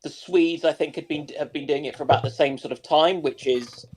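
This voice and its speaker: A man's voice: fairly high pitch, brisk, a little mellow, breathy edge, poor audio. A man chatting as a panelist, musing aloud in a hesitant, discursive way. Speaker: panelist on a history live stream. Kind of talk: casual discussion.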